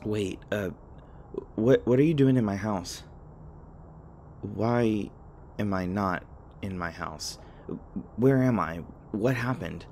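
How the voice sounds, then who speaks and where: A man's voice: on the low side, slow, pauses often, a little mellow, a little hiss or hum. Jittery, stammering young man, acted out. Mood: groggy confusion. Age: young adult. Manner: nervous, stammering, rambling. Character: jittery, rambling young human man rescued by a vampire. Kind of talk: audio roleplay acting, addressed to the listener.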